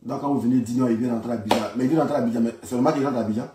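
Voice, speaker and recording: An Ivorian political commentator with an Ivorian accent rants informally, arguing emphatically and repeating himself. His medium-pitched voice is steady and rapid-fire, and the recording is roomy and echoing with background noise.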